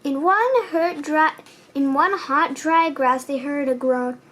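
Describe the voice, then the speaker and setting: A young child with a very high voice reads a storybook aloud. The reading is slow and halting, with words repeated and corrected along the way. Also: fairly bright tone. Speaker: host of a children's read-aloud channel.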